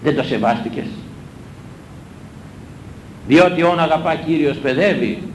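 A man preaching a sermon, scolding his listeners with rhetorical questions and hammering his points home through repetition. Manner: emphatic, repetitive exhortation. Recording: echoey room with low rumble.

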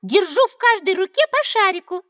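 A woman voicing a clever schoolgirl who makes quick, thoughtful comparisons in a children's audio drama. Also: extremely high pitch, expressive, a bit bright, no room sound. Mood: bright. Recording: dry studio recording.

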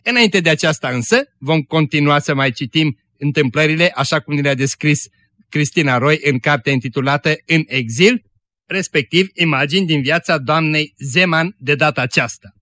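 A man hosting a Christian radio program, reading a story aloud in a solemn, measured way. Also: on the high side, sharp tone, dry recording. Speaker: radio program host and reader.

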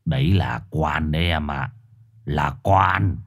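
A man voicing a bossy, gruff black four-eyed street dog with a hoarse, raspy voice. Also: low-pitched, sing-song, moderate pace, pitched below the performer's own voice, exaggerated voice. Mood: low, conspiratorial. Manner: growling, rough, condescending.

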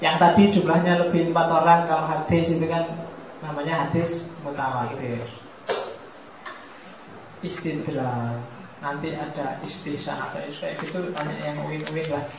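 A man giving a relaxed religious study lecture in a mosque hall, joking and putting questions to his audience. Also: a little high, normal speed, long pauses, background noise. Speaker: philosophy lecturer. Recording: echoey hall, distant mic, muffled.

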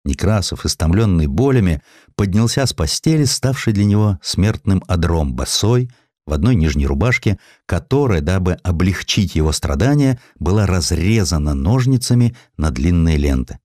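A man narrating a historical story for an audiobook in a theatrical, expressive storytelling manner. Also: low-pitched, moderate pace, dry recording, clean studio sound. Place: dry studio.

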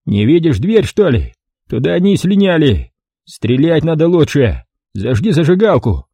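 A male narrator voicing a crude, bossy male thug with a hoarse, cracked baritone. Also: big pitch swings, moderate pace, mellow, dry recording, full character voice. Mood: gruff. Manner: barking, rude.

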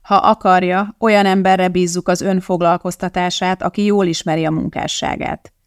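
A narrator voicing a brisk, authoritative foundation head who speaks firmly and in a businesslike way. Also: medium pitch, flat delivery, smooth, no room sound, studio quality, close to an everyday voice.

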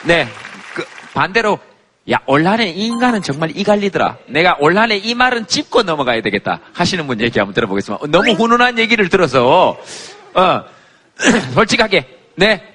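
A man's voice: high-pitched, very animated, brisk, sharp tone, some chatter behind. A middle-aged man hosting a talk show before a studio audience, bantering and teasing guests. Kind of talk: casual chat with studio audience.

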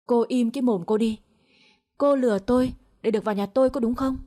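A woman's voice: fairly high pitch, a little fast, warm tone, close to an everyday voice. A woman voicing a cruel older mother-in-law who scolds with harsh contempt. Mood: scolding.

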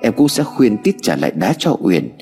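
A man voicing a gentle little orphan girl in an audio story, with a childlike, raised voice. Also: fairly low pitch, sing-song, moderate pace. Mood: cheerful. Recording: hall reverb with music bed.

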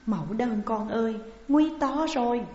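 A woman's voice: on the high side, lively intonation, normal speed, a little mellow, close to an everyday voice. A woman voicing a distraught, grieving noble mother, anxious and raised, in a muffled, echoing recording. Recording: muffled, roomy with long reverb.

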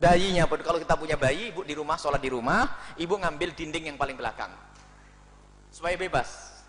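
A man's voice: fairly high pitch, fairly quick. A man preaching a religious lecture to an audience, answering questions and acting out little scenes as he goes. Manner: animated, acts out little scenes, laughs. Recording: reverberant hall with audience.

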